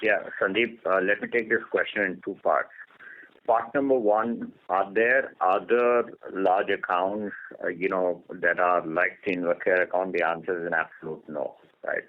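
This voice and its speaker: Casting: male finance chief on an investor call, deep voice, methodical delivery, phone-line sound. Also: fairly even intonation, moderate pace. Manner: methodical, point-by-point. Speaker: finance executive. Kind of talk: earnings call answers. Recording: narrow telephone conference line.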